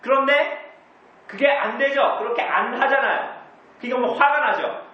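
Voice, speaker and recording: With an extremely high voice at a moderate pace, a pastor teaches the catechism in a church meeting room, answering his own questions to the congregation. The sound is distant, echoey and dull.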